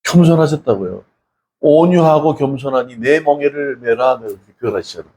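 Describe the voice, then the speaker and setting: Husky-voiced male pastor preaching. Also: mid-range voice, brisk. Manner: lively, asks the congregation many rhetorical questions; acts out quoted people in a casual spoken tone. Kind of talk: conversational sermon.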